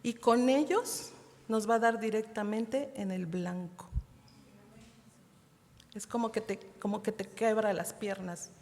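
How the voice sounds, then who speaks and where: A middle-aged Mexican woman giving a heartfelt personal testimony to a women's church meeting, speaking straight to her sisters. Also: mid-range voice. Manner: heartfelt, addresses listeners as sisters, halting restarts. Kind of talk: emotional personal testimony sermon. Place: church hall. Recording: long church hall reverb.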